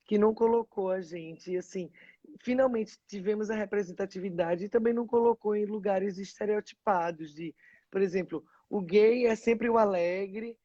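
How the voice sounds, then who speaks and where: A woman's voice: medium pitch, dry recording. A woman from Pernambuco, an actress, chatting expressively as an interview guest. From Pernambuco, Brazil. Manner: animated, expressive storytelling. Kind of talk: casual interview chat. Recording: dull, dry lo-fi sound.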